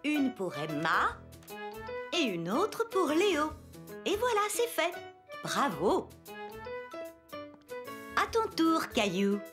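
A woman's voice: sits high, wildly swooping pitch, takes it slowly, long pauses, over music, full character voice. A woman voicing a kind, encouraging daycare teacher talking to small children in a cartoon.

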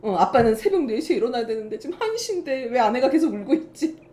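A middle-aged woman teaching a parenting class. Her voice sits a little high and moves widely up and down as she talks. She is animated and playful, acting out mothers and dads as she explains. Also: quick pace. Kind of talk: lively parenting lecture.

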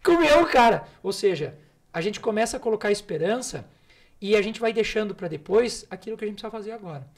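A man's voice: high-pitched, fast, a little mellow. A man as the guest on a podcast interview, blunt and emphatic, swearing casually. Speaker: guest speaker, neuroscience mentor.

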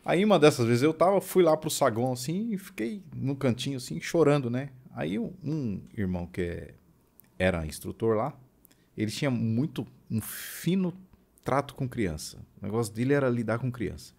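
A man from Brazil, a guest on a podcast, telling childhood stories in a relaxed chat and acting out the voices he quotes. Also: medium pitch, normal speed, vocal fry. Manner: animated anecdotes with laughs, acting out quoted voices. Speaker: podcast guest, trumpet player. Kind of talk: casual storytelling interview.

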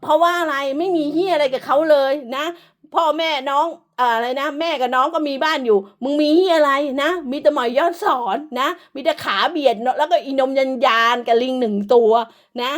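A woman delivering an angry, profane, scolding rant as an online commentator, hurling insults throughout. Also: high voice.

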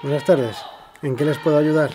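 An actor playing a smug, condescending civil governor in a Spanish radio drama. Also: male voice, fairly high pitch, fairly even intonation, normal speed, noisy background, close to an everyday voice. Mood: falsely polite. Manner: pompous, condescending.

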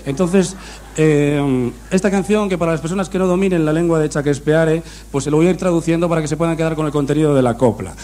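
A man's voice: fairly high pitch, quick pace. A man doing a mock-serious comic monologue full of puns. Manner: deadpan punning humor, mock-serious delivery. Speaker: comedian.

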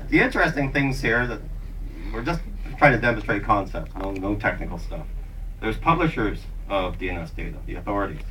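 A man informally narrating and explaining a live demonstration as its presenter. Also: mid-range voice. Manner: informal, narrates own actions. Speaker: session presenter acting out a bank customer. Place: small conference meeting room. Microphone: handheld mic, filmed from audience. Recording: distant, noisy conference room recording.

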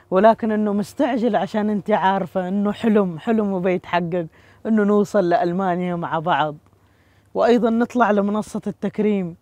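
An actor playing a hopeful young inventor, speaking Yemeni-accented Arabic with eager excitement. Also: male voice, high voice, no echo, lightly acted. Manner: eager, dreamy, excited about his invention. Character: hopeful young male inventor talking to his mother. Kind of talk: TV drama acting.

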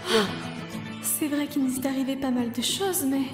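A woman voicing a bold, excitable, easily offended teenage girl in an amateur French anime fandub, theatrical and exclamatory. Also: high voice, normal speed, lightly acted. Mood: eager. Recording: voice over background music.

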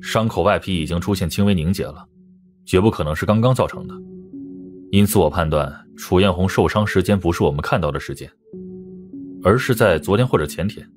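A man plays a forensic police doctor in a detective audiobook. He is earnest and analytical, reasoning firmly in a very low voice over faint music. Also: lively intonation, brisk. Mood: firm, certain. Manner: explanatory, firm, reasoning step by step.

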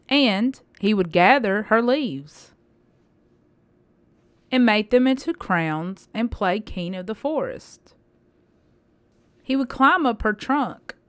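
A woman reading a children's story aloud with expressive, deliberate phrasing. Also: fairly high pitch, dry recording.

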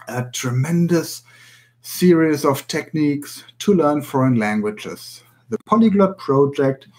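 A man's voice: on the high side, a little mellow. German-accented man teaching a tutorial. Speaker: language teacher, academy director. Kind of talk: spoken tutorial to listeners.

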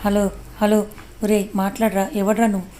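A woman voicing an angry young husband who shouts threats over the phone, speaking in her own mellow, even voice. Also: mid-range voice, a little fast, a little hiss or hum, natural voice. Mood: furious. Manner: shouting threats, then sobbing confession. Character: angry young husband searching for his wife.

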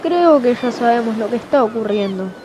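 A woman's voice: a little high, expressive, brisk, mellow, a little hiss or hum, close to an everyday voice. A woman voicing an earnest, curious young male fox sidekick who explains things in a fan dub of game cutscenes. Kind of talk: Latin American fandub of game cutscenes.

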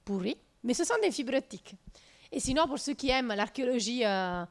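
A woman's voice: fairly high pitch, a little fast. Italian-accented woman lecturing with a handheld mic. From southern Italy. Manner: lively storytelling, many fillers and restarts. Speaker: physics lecturer. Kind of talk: lecture with slides. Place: lecture room.

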